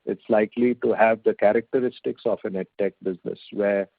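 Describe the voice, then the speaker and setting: A male company executive giving halting, measured, hedging answers on an earnings call over a conference phone line. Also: lowish voice, fairly even intonation, creaky, dry recording.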